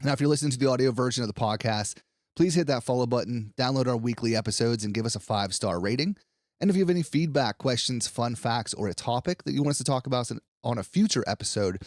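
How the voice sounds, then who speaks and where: Lively dry-voiced male podcast host. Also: medium pitch, no room sound. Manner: upbeat, swearing, laughs often. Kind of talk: casual chat.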